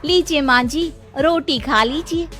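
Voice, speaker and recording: A woman's voice: high voice, unhurried, fairly bright tone, soft background music. A young woman voicing a determined village daughter-in-law in a cartoon, speaking respectfully and earnestly. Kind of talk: cartoon voice acting.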